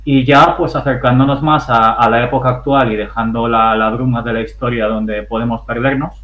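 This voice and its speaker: Male host, emphatic and measured, roomy dull-sounding audio. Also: medium pitch, steady tone. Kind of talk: casual conversation.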